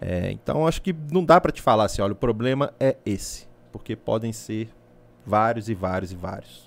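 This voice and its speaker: Here a man speaks at a medium pitch and a moderate pace. He has an unremarkable speaking voice with lively intonation. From interior of Minas Gerais, Brazil. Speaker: journalist and press officer. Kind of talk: interview on a podcast.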